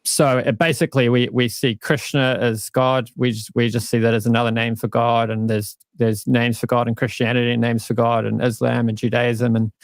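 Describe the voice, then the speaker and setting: Male guest, New Zealand accent, measured explainer, dry humor, dead-dry room. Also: mid-range voice, little pitch movement, no room sound. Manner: measured, explanatory, dryly self-mocking. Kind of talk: casual interview talk. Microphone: live-stream call.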